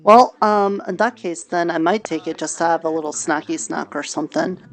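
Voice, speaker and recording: A woman's voice: lowish voice, fairly quick, lightly acted. A woman playing a friendly, chatty tailor in an improvised fantasy roleplay, talking casually with playful, cutesy word choices.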